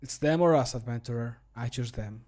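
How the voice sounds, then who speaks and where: A man voicing a grave, stoic fantasy adventurer in measured, solemn game voice lines. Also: medium pitch, a little mellow, voice pushed down, lightly acted. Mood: resolute.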